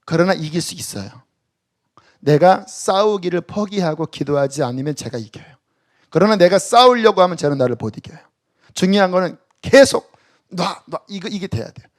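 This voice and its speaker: His voice sitting high and animated at a normal pace, a male pastor preaches during a worship service. He moves from loud exhortation to hushed near-whispers and has the congregation read scripture aloud with him.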